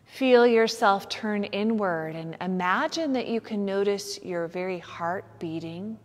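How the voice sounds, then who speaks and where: A woman leads a guided relaxation as a yoga nidra teacher. Her delivery is very slow and soothing, with gentle instructions and room left between phrases. Her medium-pitched voice carries a long, hall-like reverb. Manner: soothing, gentle, unhurried guiding with pauses.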